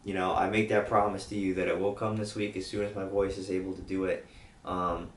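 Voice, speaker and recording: A man's voice: low voice, level tone, brisk, a little hiss or hum. A young man from with a weak, sore-throated voice, rambling casually with fillers as he updates his channel. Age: young adult. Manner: rambling, with many fillers and restarts. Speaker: YouTube channel host. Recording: roomy, distant from the mic.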